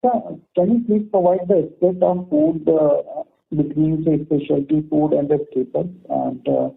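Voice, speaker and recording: A man, an analyst asking halting questions on an earnings call, muffled on a speakerphone. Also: fairly high pitch, vocal fry, faint music behind. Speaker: investment analyst caller. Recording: muffled speakerphone over a phone line.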